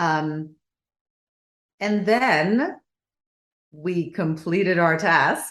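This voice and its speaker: A woman is talking. Her pitch rises and falls in an ordinary way. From Sweden (Stockholm). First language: Bulgarian. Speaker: playwright and director. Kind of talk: interview. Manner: halting, many fillers.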